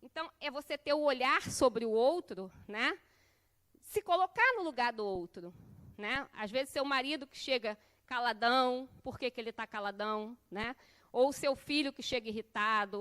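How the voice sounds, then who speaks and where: A woman's voice: a little high, moderate pace, fairly bright tone. A middle-aged woman teaching a course in a chatty, conversational way, often tagging her sentences with a questioning "né". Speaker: course instructor. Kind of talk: conversational lesson with personal anecdotes.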